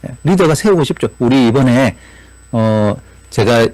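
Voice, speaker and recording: A man's voice: mid-range voice, a little slow, dry recording, rough recording. A man lecturing at a business seminar, asking the audience rhetorical questions and adding tag questions as he goes. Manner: animated, frequent rhetorical questions, repeated tag "그죠?".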